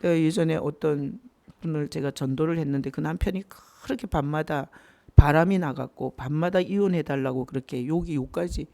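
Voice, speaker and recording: Pastor, male, gravelly and warm; teaches Bible study informally, drawing listeners in with questions. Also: fairly high pitch. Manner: conversational, with rhetorical questions and asides.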